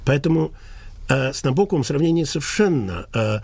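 A man with a very raspy, rough voice talks quickly as a guest writer on a talk show. He sounds earnest and modest. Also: medium pitch, expressive, a little mellow, dry recording.

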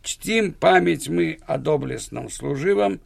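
A man, a guest author on a radio show, hesitating with fillers and reciting short verse slowly. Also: on the high side, animated, vocal fry, no echo. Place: radio studio.

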